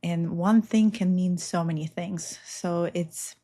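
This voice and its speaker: A woman's voice: lowish voice, steady tone, takes it slowly, warm tone. A middle-aged woman from Belarus, a native Russian speaker, talking in an earnest, meandering way with many fillers as a guest in a spiritual interview. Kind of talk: casual interview talk.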